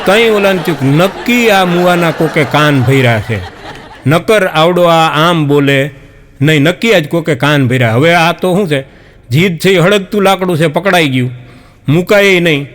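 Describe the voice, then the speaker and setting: A man telling folk jokes on stage, acting out the characters in animated storytelling. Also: fairly high pitch, normal speed. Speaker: comedian storyteller.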